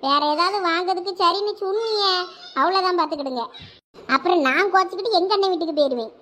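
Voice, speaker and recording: A woman's voice: extremely high pitch, quick pace, fairly bright tone, a little hiss or hum. A woman voicing a short-tempered, sarcastic village wife in a cartoon, scolding and complaining in a Thoothukudi Tamil accent. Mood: insistent. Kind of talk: dialect cartoon family comedy dialogue.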